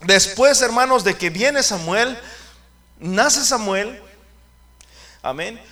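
Fervent preacher man, high and bright. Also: expressive, slow pace. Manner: fervent, calls out to the congregation often. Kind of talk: sermon.

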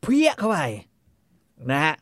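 A man's voice: measured pace, no echo, clean studio sound. A man casually retelling a story in a podcast chat, crude and full of fillers and repeats. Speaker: storyteller host.

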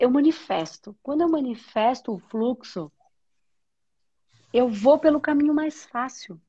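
This spiritual teacher has a high-pitched, husky, slightly mellow voice captured with lo-fi sound. She reflects on spiritual matters, repeatedly asking questions and answering them herself.

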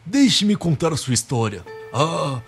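A man's voice: a little high, big pitch swings, slow, husky, exaggerated voice. A man playing a nervous, rambling, exasperated Santa Claus in a comedic radio play. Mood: explaining, storytelling. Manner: theatrical, long-winded, exasperated. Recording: music behind the voice.

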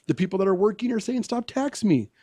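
A man's voice: sits high, lively intonation, warm tone, breathy edge, no room sound, studio quality. A man co-hosting a talk radio show, explaining and arguing his political points at length. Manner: explaining, argumentative, measured. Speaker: co-host.

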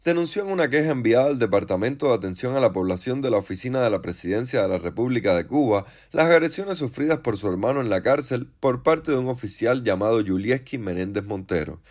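A man's voice: mid-range voice, lively intonation, fairly quick, few pauses, a little mellow. A man hosting a podcast, reading scripted news in a formal narrating style.

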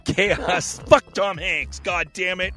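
A man hosting a podcast, telling stories in a profane, animated casual chat. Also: sits high, slow, faint music behind. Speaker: podcast host.

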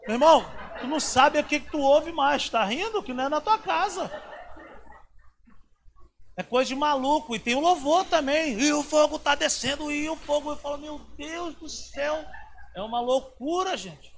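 A man's voice: very high-pitched, moderate pace, fairly bright tone, slight background noise. A man from Rio, a pastor preaching an informal sermon in a colloquial, slangy storytelling manner with dramatic swings.

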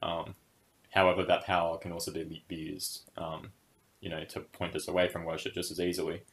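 A man's voice: sits low, monotone, brisk, fairly bright tone, slight background noise. A young man co-hosting a casual podcast discussion, speaking thoughtfully and hesitantly with many fillers and restarts. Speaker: podcast co-host.

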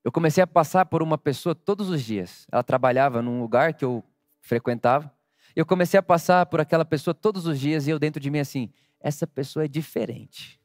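A man preaching a sermon with a personal story, speaking intimately and dropping soft in prayer. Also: fairly high pitch, no room sound, studio quality. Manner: intimate, drops to soft near-whisper in prayer, rises when animated. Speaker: pastor.

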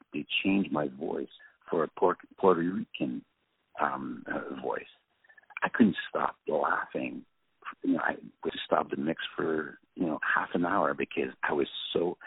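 Man, French accent, very deep voice, husky, halting speech with restarts, tinny phone line. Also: dry recording. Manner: halting, many restarts and fillers. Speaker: film director guest. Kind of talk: anecdotal interview chat.

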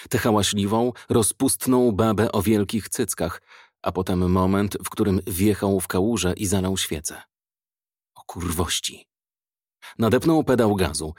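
A male audiobook narrator with a low, husky voice, reading in a measured, dramatic way. The sound is dry and close, with no room echo at all. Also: darkish tone.

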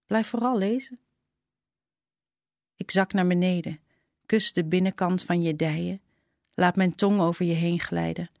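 A woman narrating a short story in a slow, intimate reading style. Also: on the low side, flat delivery, vocal fry, a little mellow, no echo, studio quality. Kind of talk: scripted storytelling.

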